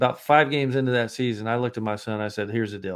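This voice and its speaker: A man talks at a very fast pace in a medium pitch. His pitch variation is ordinary. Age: 40s. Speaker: former NFL placekicker. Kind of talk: casual chat. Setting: remote podcast call from his office.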